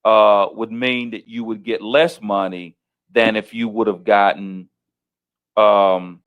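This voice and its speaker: A middle-aged male host with a fairly low voice leads the interview. He builds his questions slowly, restarting phrases and checking facts with his guest. His delivery is steady and measured. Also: narrow, tinny audio. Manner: halting, many restarts, leading questions ending in "right?".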